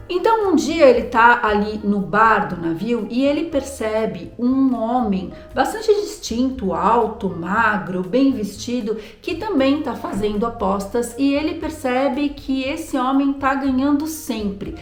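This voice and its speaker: A woman's voice: on the high side, reverberant. A woman with a Brazilian Portuguese accent telling a history story in a conversational, informal and explanatory way, as a host.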